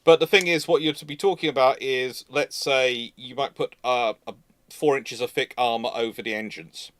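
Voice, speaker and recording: A man hosting a live history Q&A, talking off the cuff in a discursive, halting way with many asides. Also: medium pitch, steady tone, fairly bright tone, dry recording. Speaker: host of a live naval history Q&A. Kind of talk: unscripted expert discussion.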